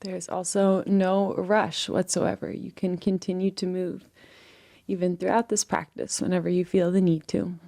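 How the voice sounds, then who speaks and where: A woman with a dark, mellow voice and a gravelly fry at the edges guides a relaxation practice. Her manner is gentle and unhurried, giving soft permission with each instruction. She speaks as a meditation guide, soothing and patient. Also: on the low side, flat delivery, no echo, clean studio sound.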